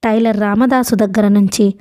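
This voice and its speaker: A woman voicing a proud young husband who speaks quietly and curtly, in an audiobook. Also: mid-range voice, steady tone, moderate pace, no room sound, clean studio sound, close to an everyday voice. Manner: quiet and restrained. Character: proud, curt young husband short of money.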